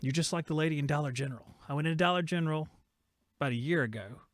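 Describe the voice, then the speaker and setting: A man's voice: a little high, very fast, no room sound, clean studio sound. A man in his forties hosting a live-streamed podcast from his workshop, rambling and joking as he reads viewer chat aloud. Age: 40s. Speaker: host of a live-streamed shop talk podcast.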